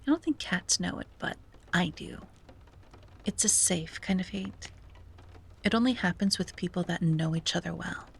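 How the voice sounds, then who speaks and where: A woman playing a wistful, self-doubting young sea-witch in an ASMR roleplay, speaking softly and breathily with hesitant musing and frequent drops to a whisper. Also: on the low side, moderate pace, pauses often, slight background noise. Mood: playfully exasperated. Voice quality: breathy, often dropping to a whisper. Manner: hesitant, musing, sighing, gently playful. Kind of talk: ASMR roleplay, soft intimate monologue.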